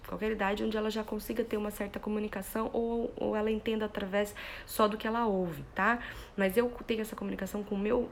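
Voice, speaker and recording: A woman's voice: mid-range voice, creaky, slight background noise. A woman parenting educator gives a live talk to parents. She explains with everyday examples and keeps checking in with her listeners. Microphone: phone.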